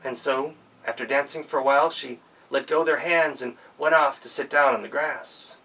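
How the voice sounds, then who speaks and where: Male storyteller, gentle rhythmic delivery, gravelly voice, recorded from afar. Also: mid-range voice, fairly even intonation, recorded from a distance, low-quality recording. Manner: gentle, rhythmic telling with pauses. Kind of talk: folktale storytelling.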